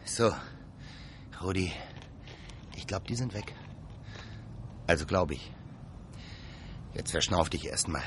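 An actor playing a kindly young man standing in for Santa, gently chatting to his reindeer and a boy. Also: deep voice, slow pace, pauses often, very noisy. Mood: gentle.

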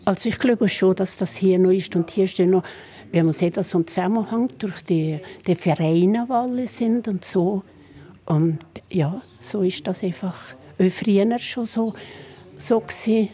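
Woman in her 70s, Upper Valais Swiss German, mellow warm tone, hesitant guest. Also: mid-range voice, moderate pace. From Upper Valais, Switzerland. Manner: hesitant, repeating words. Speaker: interview guest. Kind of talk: radio interview.

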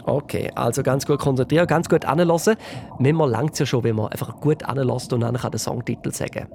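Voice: mid-range voice, fairly quick, gravelly, dark tone, a little hiss or hum. A quiz host with a Swiss German accent, upbeat and encouraging on a children's radio quiz.

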